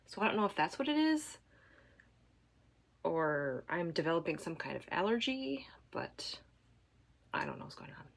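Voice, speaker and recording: A congested woman hosts her knitting video podcast from home. Her voice sits a little low, and she rambles comfortably, with fillers and trailing asides. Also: huge pitch swings, normal speed, vocal fry, long pauses. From Michigan, USA. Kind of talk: casual chat to camera.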